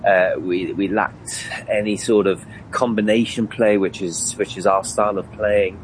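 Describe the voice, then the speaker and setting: A man, a former player, giving measured football analysis with many fillers and restarts. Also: lowish voice, steady tone, slight background noise, low-quality recording.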